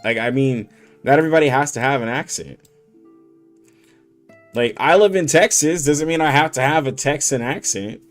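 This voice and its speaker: Man, gaming streamer, casual live chat, slangy, animated, middle pitch, faint music behind. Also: normal speed, pauses often. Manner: animated, slangy, laughing often, many "like" fillers.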